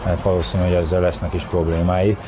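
A man's voice: low voice, little pitch movement, background noise. A middle-aged man, a football coach, giving considered interview answers outdoors. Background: music.

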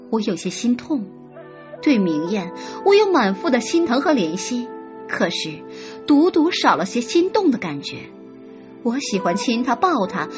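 A woman's voice: high voice, highs cut off. A woman narrating a romance audiobook expressively, acting out the heroine's lines.

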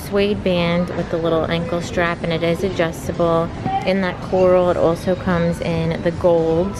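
A woman's voice: lowish voice, noisy background. A woman filming a shoe-store haul, chatting through styles and prices in an upbeat, casual way. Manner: chatty, upbeat product rundown listing prices. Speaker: fashion vlogger. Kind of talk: shop-with-me shoe haul narration. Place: shoe store aisle, indoors. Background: background music.

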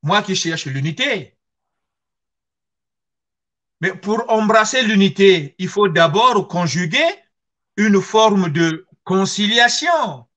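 High-pitched, slow Congolese man. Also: lively intonation, sharp tone. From Congo-Brazzaville. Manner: earnest, emphatic, rhetorical questions. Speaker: guest speaker. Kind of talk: personal testimony on history and identity. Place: small furnished room at home, video call.

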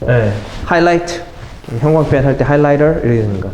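Man teaching an english vocab lesson, mellow voice, echoey room, faint hiss. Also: fairly high pitch, unhurried. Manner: mixes English phrases into lively explanation, addresses students as kids. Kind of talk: classroom vocabulary lecture. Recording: echoey classroom with faint noise.

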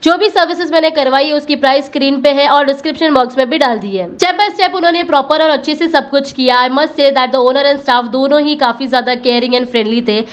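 A woman's voice: sits high, brisk, few pauses. An Indian woman vlogger narrating a scripted voice-over, switching between Hindi and English phrases. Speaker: vlogger reviewing a salon.

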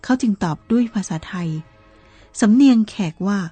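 A woman reading a Buddhist novel aloud in a calm, measured storytelling manner, with soft music behind her. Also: a little high, husky, no room sound. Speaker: narrator.

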